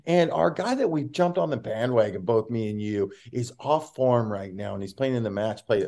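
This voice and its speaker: A man's voice: medium pitch, moderate pace, creaky. Profane storytelling man. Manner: profane, storytelling, animated impressions. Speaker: podcast co-host and tour caddy. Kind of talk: casual podcast banter.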